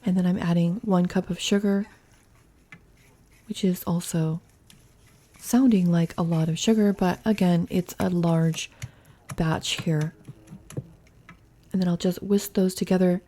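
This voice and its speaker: A woman's voice: on the low side, fairly even intonation, measured pace, pauses often, warm tone. A woman hosting a home cooking vlog, chatting through each step in a casual, thinking-aloud way from her kitchen. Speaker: cooking channel host.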